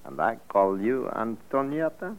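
An excitable Italian farmer in love. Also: male voice, unhurried. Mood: courting. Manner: broken English, excitable, swoops in pitch. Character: hot-tempered Italian immigrant vegetable farmer, smitten. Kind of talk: old radio drama acting. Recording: dull old radio recording with music.

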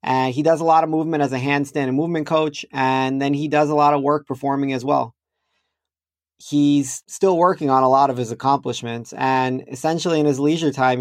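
Gravelly-voiced male podcast host. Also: mid-range voice, dry recording, studio quality. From Chechnya. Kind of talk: casual interview chat.

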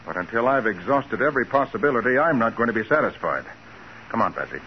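An actor playing a dogged, authoritative private detective in a brisk, insistent 1940s radio crime drama style. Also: male voice, medium pitch, sing-song. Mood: determined, polite. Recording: muffled, noisy 1940s radio recording.

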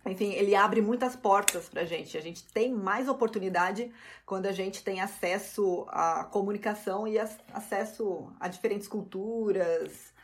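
A Brazilian woman speaking as a podcast guest, agreeing readily and speeding up when she gets into a point. She sounds engaged and easygoing, at a middle pitch for a woman. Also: normal speed, a little hiss or hum. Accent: Brazilian Portuguese. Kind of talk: casual podcast conversation.

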